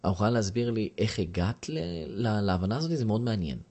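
A man's voice: fairly low pitch, animated, mellow, breathy edge. A man giving a lecture to a class and asking the audience questions. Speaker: teacher.

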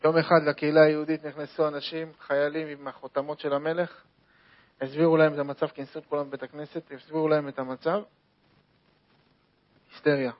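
A man telling a religious tale in a sermon style, animated and repeating lines for emphasis. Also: on the high side, pauses often. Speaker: religious storyteller. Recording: dull lo-fi recording.

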